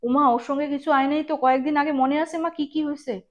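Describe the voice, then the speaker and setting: Bewildered young village husband, done by a female storyteller: high voice, worried, colloquial, horror tale. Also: steady tone, fast, close to an everyday voice. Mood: anxious. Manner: questioning, colloquial village speech.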